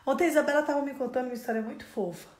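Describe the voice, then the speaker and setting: A woman's voice: high voice, very fast, a little mellow, echoey room. A woman preaching a sermon with storytelling, asking her listeners questions and repeating key phrases. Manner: asks the audience many questions.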